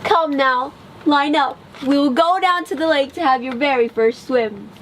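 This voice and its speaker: A woman's voice: high-pitched, moderate pace, slight background noise, voice pushed up, lightly acted. A woman voicing a loving mother duck who is firm with her ducklings. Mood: gentle. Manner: motherly, stern when scolding.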